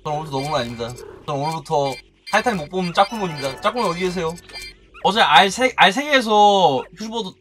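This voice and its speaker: A man doing excited commentary as a gaming YouTuber, shouting and groaning as he opens eggs, with mock-formal asides. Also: high-pitched, fast talker, music in the background. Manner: animated, shouts and groans while opening eggs.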